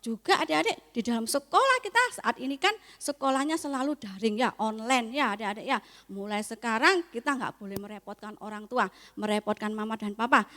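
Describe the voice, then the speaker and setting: A young woman teaching a Sunday school lesson, coaxing and lively with the children. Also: a little high, fairly quick. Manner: lively, coaxing, talks to kids. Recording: echoey hall.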